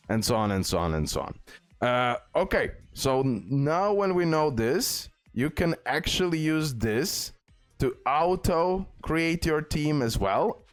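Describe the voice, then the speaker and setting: A man giving a casual, off-the-cuff game tutorial as host, explaining step by step and often checking in with the listener. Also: medium pitch. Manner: explanatory, repeatedly checking in with "okay?". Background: music.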